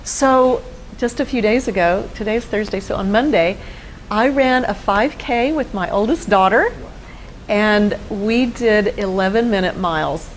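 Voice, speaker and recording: A woman's voice: mid-range voice, unhurried, slight background noise, poor audio. A woman in her fifties from Texas, a guest telling her own story earnestly in a studio interview. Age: 50s. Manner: earnest storytelling, acts out quoted dialogue. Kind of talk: personal testimony in a studio interview.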